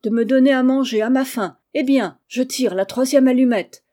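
A woman's voice: high-pitched, normal speed, dark tone, voice pushed up, close to an everyday voice. Woman voicing a defiant orphan boy. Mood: threatening. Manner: bold, raised voice, defiant. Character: defiant young orphan boy, hot-tempered.

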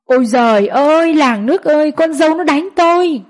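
A woman voicing a shrill, scornful older mother-in-law in a narrated story, wailing and raised. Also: expressive, fast talker, lightly acted.

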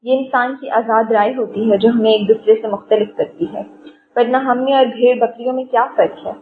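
A woman voicing a stern middle-aged male politician who speaks in a heavy, commanding way and lectures gravely. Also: a little high, fairly even intonation, natural voice. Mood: lecturing. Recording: tinny phone-like audio, faint hiss.

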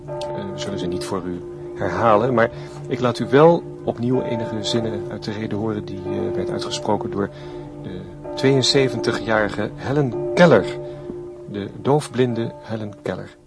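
An actor playing a reverent 1950s radio reporter, commentating hesitantly on a solemn ceremony in a radio play. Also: male voice, on the low side, normal speed, close to an everyday voice. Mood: solemn, reporting. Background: music.

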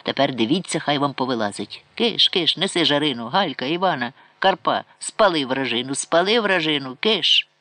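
A man's voice: medium pitch, sing-song, moderate pace, creaky, bright, forceful tone, no room sound, exaggerated voice. A man voicing a spiteful village woman who gloats and chants curses while a fire spreads. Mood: gloating.

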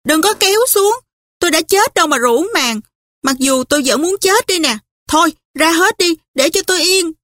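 Woman voicing a shrill, petulant young widow. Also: animated, unhurried, no room sound, studio quality. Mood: furious. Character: spoiled, hot-tempered young widow.

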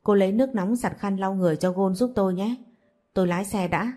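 A woman's voice: mid-range voice, fast, warm tone, lightly acted. A woman voicing a stern, blunt young father who talks in a curt, lecturing way.

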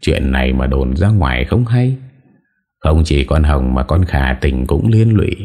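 A man's voice: extremely low pitch, lively intonation, unhurried, warm tone, heavily acted. A man doing a stern old patriarch. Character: stern elderly male family patriarch.

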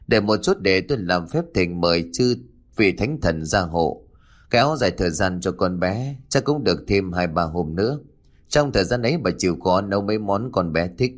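A man doing a weary old exorcist. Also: low-pitched. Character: weary old male exorcist, defeated and grave.

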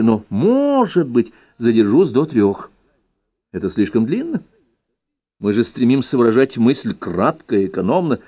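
Man reading aloud, lively ironic lilt. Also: medium pitch. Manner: expressive, ironic, lively emphasis. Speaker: reader. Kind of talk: reading an ironic first-person essay aloud. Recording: dull lo-fi recording.

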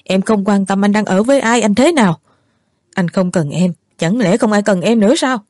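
A woman's voice: medium pitch, animated, normal speed, mellow, no room sound, clean studio sound. A woman voicing a drunk, petulant young man who accuses his lover of not caring, in a storybook reading. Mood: accusing. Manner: sulky, accusing reproaches.

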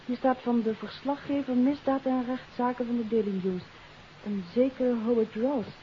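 An actress playing a detective's curious, poised wife in a 1950s radio drama. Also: female voice, fairly high pitch, steady tone, moderate pace, lightly acted. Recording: muffled 1950s radio recording with hiss.

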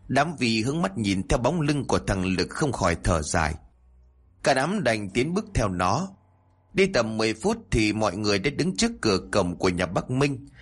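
A man narrating a spooky audio story with a lively, dramatic telling. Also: lowish voice, husky.

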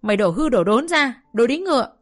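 A woman's voice: lively intonation, fairly quick, faint music behind, natural voice. A woman reading an audiobook, voicing a furious middle-aged mother who screams abuse at her daughter. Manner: shrill, raging, abusive scolding.

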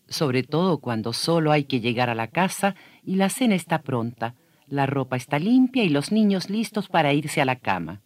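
A man telling a story on a children's radio show, speaking expressively and addressing young listeners directly. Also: fairly high pitch.

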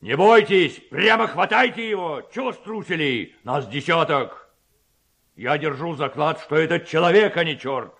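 A man voicing a bossy, blustering village headman and stern father in a dramatic story reading, loud and commanding. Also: on the high side, animated, unhurried, creaky, pitched above the performer's own voice, heavily acted.

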